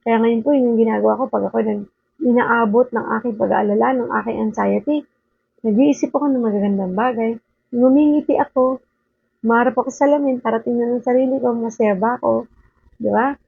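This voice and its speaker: A woman's voice: on the high side, fairly even intonation, fairly quick, vocal fry, slightly rough. An older woman at home giving an informal daily devotional talk, earnest and conversational, often checking in with a rhetorical question. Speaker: devotional speaker. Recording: narrow phone-like sound, dry.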